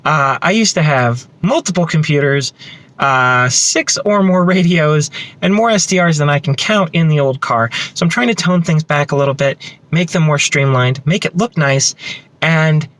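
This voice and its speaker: Man, high pitch, enthusiastic, conversational, casual tech vlog demo. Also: normal speed, fairly bright tone. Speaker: tech video creator. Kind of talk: casual project demo and update to viewers.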